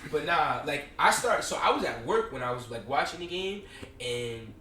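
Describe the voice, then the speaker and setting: A young man from Pennsylvania co-hosting a podcast in casual chat, talking in animated bursts with lots of filler phrases. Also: a little high, moderate pace, roomy sound, far from the mic. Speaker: podcast co-host.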